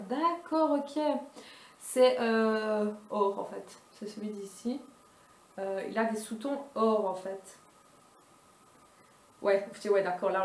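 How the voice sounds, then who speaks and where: Female beauty vlogger, mid-pitched, chatty and rambling with lots of hesitations, recorded in a roomy space at home. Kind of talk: casual product haul chat. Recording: roomy echo.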